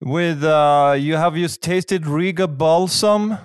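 A man playing a formal Latvian radio presenter in put-on Latvian-accented English, speaking slowly. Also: fairly high pitch, clean tone, dry recording, studio quality. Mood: mock-formal. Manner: slow, formal announcer delivery.

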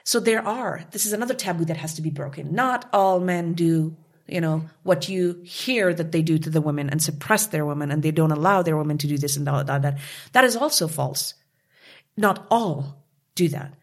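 A woman's voice: low-pitched, normal speed. A woman from Canada, speaking passionately and emphatically as an interview guest. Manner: passionate, emphatic, with rising outbursts. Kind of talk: conversational interview.

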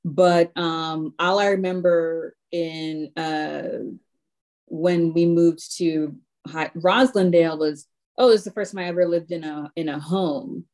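A woman from Haiti, a podcast guest, recalling her childhood neighborhoods in a halting, reflective way with many fillers. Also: on the low side, steady tone, a little mellow. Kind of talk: casual chat.

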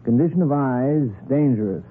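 An actor playing a smooth-talking con man posing as an inspector, brisk, clinical and falsely sympathetic, in 1940s radio style. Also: mid-range voice, lightly acted. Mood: solemn, persuasive. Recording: noisy, narrow-band 1940s radio recording.

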